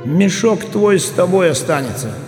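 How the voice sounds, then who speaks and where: A man puts on a con man posing as a one-eyed old hermit, his voice menacing and sly. He lurches from threats to wheedling, slow and drawn out, over background music. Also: sits high, lively intonation, roomy sound, big-room sound, voice pushed up, heavily acted. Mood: coaxing. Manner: sinister, swings between roaring and coaxing.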